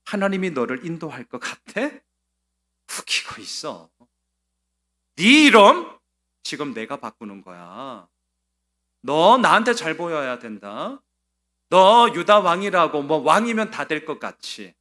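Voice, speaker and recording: A proud, sneering ancient king, as a preacher puts him on, scornful and taunting. His voice swings widely and rings bright and forceful, jumping to loud outbursts. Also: a little high, sing-song, unhurried, pauses often, heavily acted. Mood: mocking.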